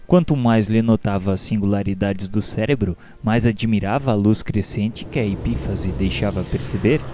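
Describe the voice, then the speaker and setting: An earnest doctor from a spiritual radio drama, played by a man, recites in a Brazilian accent with formal, marvelling reverence. His voice is on the low side and rather mellow. Soft music runs behind it. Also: close to an everyday voice. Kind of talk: scripted radio drama narration in literary Portuguese.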